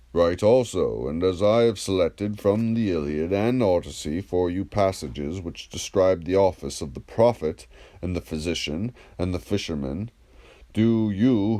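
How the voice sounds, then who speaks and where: In a dramatised dialogue, a man with a low, dark voice reads the role of a patient, ironic, probing philosopher. His delivery is measured, declamatory, and questioning.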